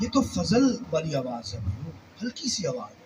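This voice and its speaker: A man speaks as noticeable noise is heard in the background. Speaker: preacher. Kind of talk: church sermon.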